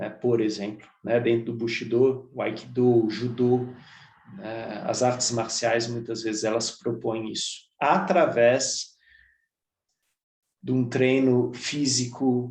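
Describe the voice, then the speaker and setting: Somewhat breathy and very slow, a man speaks at a medium pitch with fairly even intonation. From Brazil. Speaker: study group facilitator. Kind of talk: online study group discussion.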